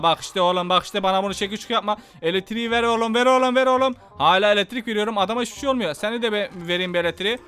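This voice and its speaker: A young man commenting excitedly on a game he is playing, talking to viewers and taunting enemies. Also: high-pitched, clear, resonant tone. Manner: excitable, banters with enemies, addresses viewers as friends. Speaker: gaming YouTuber. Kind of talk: Let's Play commentary.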